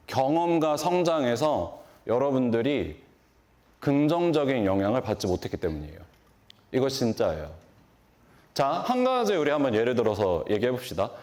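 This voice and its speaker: Brief: man, 40s, conference speaker, lively pitch, questions the crowd, acts out little scenes. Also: moderate pace. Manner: animated, asks the audience questions and acts out greetings. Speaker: beauty industry lecturer. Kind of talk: conference keynote talk. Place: large conference hall.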